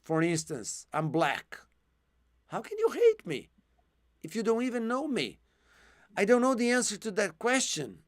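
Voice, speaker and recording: A man's voice: high-pitched, wildly swooping pitch, a little slow, long pauses, no echo, clean studio sound. A man teaching English in a live one-to-one online lesson, explaining words patiently with many fillers and restarts, his voice tiring. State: losing his voice.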